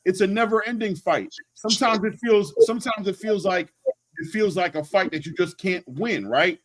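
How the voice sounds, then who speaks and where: A man with a fairly high-pitched voice hosts a casual boxing talk show. He argues his opinions emphatically in loose slang, often repeating words to hammer a point. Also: normal speed, poor audio. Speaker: host of a boxing channel.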